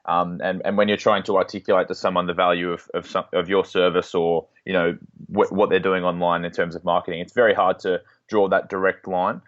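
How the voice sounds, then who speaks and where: A man's voice: deep voice, level tone, brisk, lo-fi sound. An Australian man being interviewed as a guest, talking casually with many ums and restarts.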